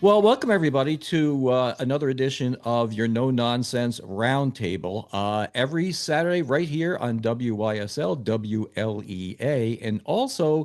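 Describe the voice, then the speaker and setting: Using an ordinary speaking voice, a man at medium pitch moves at a moderate pace with lively intonation and hardly any pauses. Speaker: radio talk show host. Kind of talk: radio show opening.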